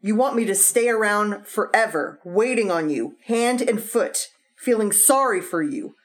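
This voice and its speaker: An actress playing an anxious, devoted young wife in a vintage radio drama, speaking earnestly with frequent stammers. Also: female voice, medium pitch, expressive, measured pace, lightly acted. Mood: pleading firm. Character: devoted wife of a heart patient. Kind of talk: 1950s radio drama acting.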